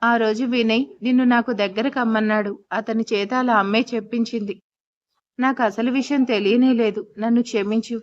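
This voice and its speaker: A woman's voice: a little high, lightly acted. A woman voicing a desperate young man pleading. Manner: pleading, urgent. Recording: dull, dry recording.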